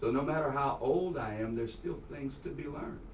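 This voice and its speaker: An American accent at a moderate pace with ordinary pitch variation, noticeable background noise and audible room echo. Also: man. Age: 60s. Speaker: pastor. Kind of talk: radio interview.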